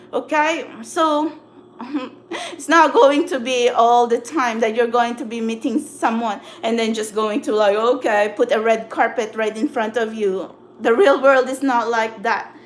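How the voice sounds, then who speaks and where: A woman's voice: on the high side, slight background noise. A woman whose first language is Filipino, speaking casually on a livestream as a tarot reader, emphatic and punctuating her points with "okay?". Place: apartment at home.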